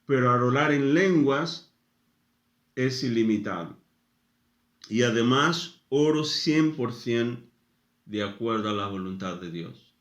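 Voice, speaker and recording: A man preaching a sermon, speaking in short phrases with frequent pauses. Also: mid-range voice, animated, fairly bright tone, roomy sound. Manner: slow, deliberate, pausing after short phrases. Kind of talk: sermon teaching.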